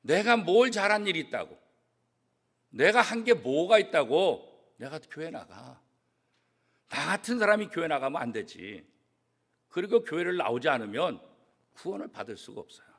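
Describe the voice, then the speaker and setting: A man, a church pastor, preaching a sermon with strong emphasis, swinging from loud declarations to hushed, almost whispered asides. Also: a little high, sing-song, moderate pace, pauses often. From South Korea. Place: church sanctuary.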